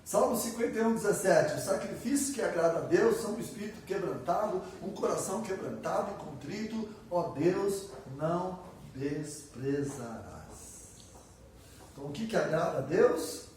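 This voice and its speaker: Brazilian preacher in an echoey hall. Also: male voice, high voice, animated, normal speed, a little mellow. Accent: Brazilian Portuguese. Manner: conversational, acts out prayers and asks the audience questions. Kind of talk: sermon. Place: church hall. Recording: echoey room from far off, faint noise.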